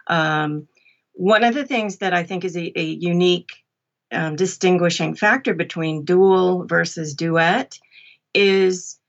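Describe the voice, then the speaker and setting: A woman's voice: on the low side, slow pace, highs cut off. A woman speaking thoughtfully as a narrator being interviewed. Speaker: audiobook narrator, interview guest.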